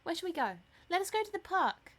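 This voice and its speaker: A woman's voice: very high voice, big pitch swings, fairly quick, a bit bright, pitched above the performer's own voice, exaggerated voice. A woman voicing an ardent, dreamy young actress in love in an audiobook, with gushing exclamations. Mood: playful, delighted. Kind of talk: audiobook character voice.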